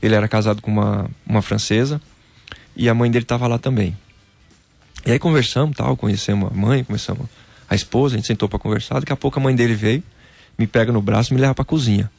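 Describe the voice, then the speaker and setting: A man from Brazil, a former footballer, telling a personal faith story in a casual interview, animated and peppered with "cara". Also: mid-range voice, fast, vocal fry, dry recording.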